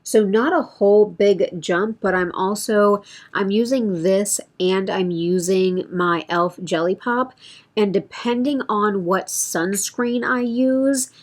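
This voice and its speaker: A woman's voice: mid-range voice, fairly even intonation, slow pace. A woman beauty vlogger chatting casually through a product update, thinking aloud and correcting herself, with a voice that feels a bit strained.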